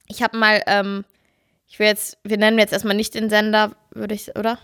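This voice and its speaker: A woman's voice: medium pitch, completely flat delivery, moderate pace, fairly bright tone, dry recording, studio quality. A woman chatting casually and comedically as a podcast co-host, self-ironic and thinking aloud as she goes.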